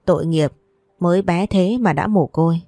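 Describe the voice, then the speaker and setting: A loyal, easygoing young man, as a woman narrator puts him on speaks in a low, mellow voice. He is teasing yet respectful toward his parents, recorded dry and close for a spoken story. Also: moderate pace, dry recording, faint music behind.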